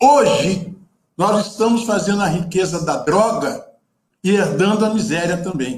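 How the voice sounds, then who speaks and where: Audible room echo around a man speaking fairly slowly at a high pitch, with ordinary pitch variation. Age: 70s. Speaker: photographer and activist. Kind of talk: seminar talk. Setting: video call. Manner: animated.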